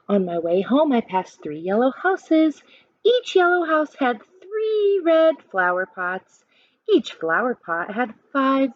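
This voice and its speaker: Animated, higher-voiced woman reading to children. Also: dry recording, lo-fi sound. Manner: expressive, questioning, coaching listeners along. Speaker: teacher reading a picture book aloud to children. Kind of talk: animated children's read-aloud with counting questions.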